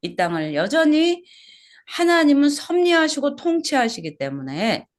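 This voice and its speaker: Her voice sits high and sing-song, moving at a measured pace, as this woman pastor preaches expository material to a small church. She asks the congregation questions and repeats key words.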